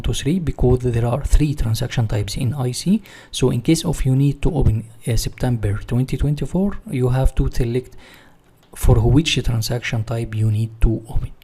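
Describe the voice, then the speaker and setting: A man with a mellow, somewhat husky voice walks through software setup as an instructor. He is a non-native English speaker with a didactic manner, often asking a question and then answering it himself. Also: medium pitch. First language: not English. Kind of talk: screen-share software walkthrough, part read from notes.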